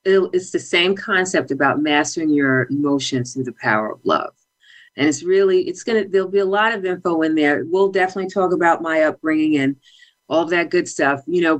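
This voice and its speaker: A woman's voice: on the low side, poor audio. A woman speaking as a guest author in a conversational interview.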